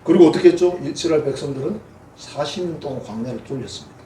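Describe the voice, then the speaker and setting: A man's voice: on the high side, lively intonation, quick pace, dark tone, slight background noise. A man with a Gyeongsang Korean accent, preaching a sermon as a pastor in a folksy, humorous way. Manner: folksy, humorous, acts out quoted voices. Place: church sanctuary. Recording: echoey church hall, mic at a distance.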